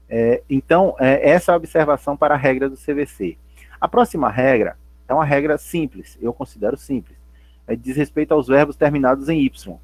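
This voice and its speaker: A man's voice: medium pitch, dry recording. A male teacher giving a remote lesson, explaining step by step, repeating points and answering his own questions. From Brazil. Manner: patient, repeats and spells out points, asks and answers himself. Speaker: English teacher.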